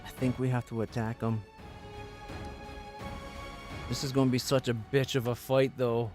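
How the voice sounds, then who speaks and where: A man's voice: mid-range voice, level tone, normal speed, over music. A man streaming a game playthrough with casual live commentary, thinking aloud as he goes.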